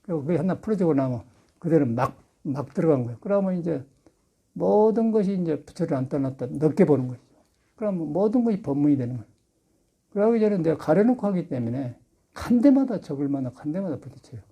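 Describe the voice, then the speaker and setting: A man's voice: a little high, animated, fast, dark tone, breathy edge. An older man, a Buddhist monk, giving a folksy Sunday sermon full of anecdotes and laughter. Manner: chatty storytelling with laughter. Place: temple dharma hall.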